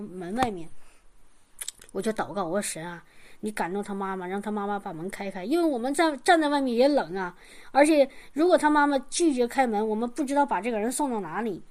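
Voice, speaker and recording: A woman's voice: on the high side, animated, darkish tone. Earnest middle-aged woman giving testimony. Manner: earnest, halting storytelling with many restarts. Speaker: church member sharing a testimony. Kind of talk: testimony told to a congregation.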